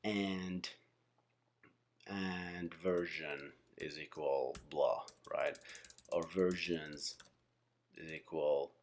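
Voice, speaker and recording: Over slight background noise, a man with a bass voice teaches an informal lesson at an extremely slow, steady pace with long pauses. He's a software engineering instructor and channel host who chats conversationally, checking in with "right?", "okay?", and "guys".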